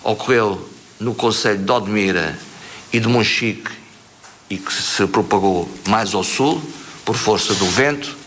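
A man with a somewhat low voice speaks in halting, self-repeating phrases. A faint hiss runs under the recording. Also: a bit bright. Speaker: official speaking on fire risk. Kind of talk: recorded statement.

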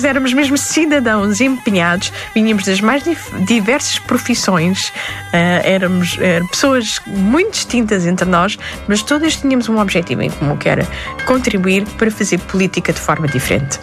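A woman tells her story at length as an interview guest, lively and often laughing. Her voice sits at a middle pitch for a woman. Faint music plays underneath. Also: normal speed. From Lebanon. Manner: animated storyteller, laughs often, restarts words. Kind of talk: conversational interview.

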